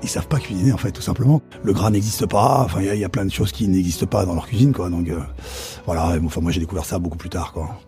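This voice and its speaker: A middle-aged chef with a Parisian suburban accent tells of his past in loose, stop-start talk, circling back over his own words. His voice sits low and dark. Faint music plays behind him. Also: very fast. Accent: Parisian suburban French. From Paris suburbs, France. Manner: hesitant, many fillers and restarts. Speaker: chef interviewed about his career. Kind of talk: casual spoken recollection.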